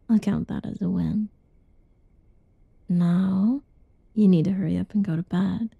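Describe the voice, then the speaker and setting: A young woman doing a whispered ASMR roleplay in a soft, teasing whisper, recorded close and dull. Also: lowish voice, steady tone, slow pace, creaky, husky, no echo.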